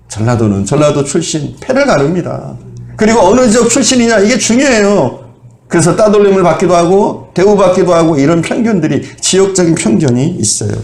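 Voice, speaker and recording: In a church sanctuary with a roomy sound, a male pastor preaches conversationally in a slightly mellow, higher-pitched voice. He puts rhetorical questions to the congregation and lists examples one by one in short phrases.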